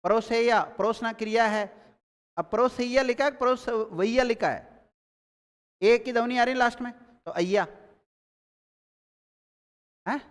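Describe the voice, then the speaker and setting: A man's voice: very high-pitched, measured pace, long pauses, clean tone, big-room sound. A man teaching a grammar class, quizzing his students and repeating key words as they take notes.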